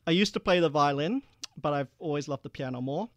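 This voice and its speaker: Interview guest, middle-aged man from Malaysia: slightly high voice, earnest explainer, dry close sound. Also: brisk, a bit bright, dry recording. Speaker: guest, investment manager. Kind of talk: interview answers.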